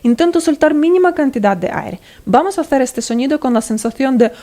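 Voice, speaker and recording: Woman singing teacher, fairly high voice. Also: expressive, a little fast, warm tone. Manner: instructive, explains step by step and checks in with the listener. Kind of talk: vocal technique lesson.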